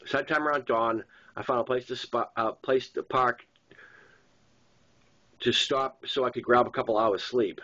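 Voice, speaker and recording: A man's voice: medium pitch, steady tone, moderate pace, long pauses, pushed and bright. A man with a Boston accent reads a first-person novel aloud as its author, in a plain narrating style with occasional stumbles. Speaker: author reading own novel. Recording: dull lo-fi sound.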